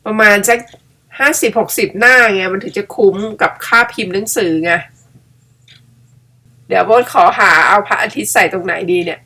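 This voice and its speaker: A middle-aged woman, a storyteller and vlogger, tells a story of her own while editing pictures, casual and playful, mocking herself and laughing often. Her mid-range voice is bright, forceful and husky, at a moderate pace.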